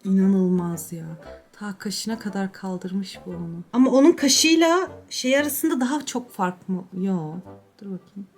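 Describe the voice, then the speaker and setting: A woman's voice: mid-range voice, normal speed, a little mellow, faint music behind. A young woman chatting casually to her viewers while doing her makeup, self-mocking and drifting into mutters. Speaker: beauty vlogger.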